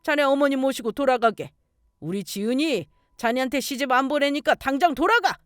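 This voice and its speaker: A woman's voice: high-pitched, a little fast, no echo, clean studio sound, lightly acted. A woman voicing a stern, commanding older uncle who orders unwanted guests out. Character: stern protective older uncle, a police detective.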